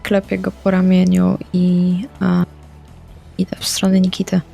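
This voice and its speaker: Woman with a gravelly edge, roleplaying. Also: on the low side, unhurried, soft background music. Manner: calm, short replies with spoken actions. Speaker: player. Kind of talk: in-character roleplay chat.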